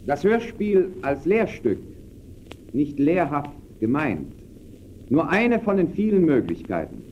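Very slow, formal man, muffled recording. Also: fairly high pitch, very animated. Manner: measured, formal. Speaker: presenter of radio play examples. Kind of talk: declamatory 1920s radio announcing. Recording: muffled old radio recording, faint noise.

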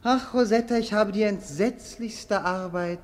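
An actor playing a bored, melancholy young prince in a classic radio play, speaking in a dreamy, languorous, theatrical way. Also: male voice, high-pitched, unhurried. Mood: languid, bored.

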